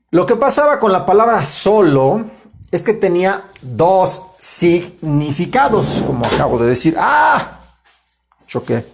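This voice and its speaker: Mexican guy teaching grammar on a livestream, lively and chatty, keeps stopping to talk to viewers. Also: fairly high pitch. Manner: animated, chatty, self-interrupting with asides to viewers. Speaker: writer giving a live grammar talk. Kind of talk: informal livestream lesson.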